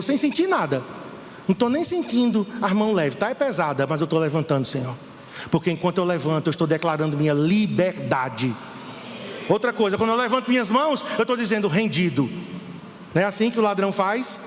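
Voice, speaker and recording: Middle-aged male pastor, fervent sermon delivery, reverberant hall sound. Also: high-pitched. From Brazil. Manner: fervent, preaching to the congregation. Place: church hall.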